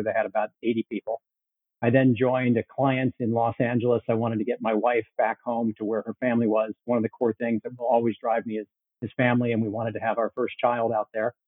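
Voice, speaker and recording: Man, 60s, from Chicago, quick methodical speech, dry close sound. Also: medium pitch, no echo. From Chicago, USA. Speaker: guest cofounder. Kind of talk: storytelling interview answers. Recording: tinny phone-like line, dry.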